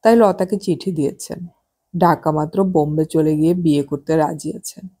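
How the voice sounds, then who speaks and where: A woman voicing a middle-aged wife who teases and scolds her husband with a sharp tongue. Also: low-pitched, steady tone, normal speed, husky. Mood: teasing.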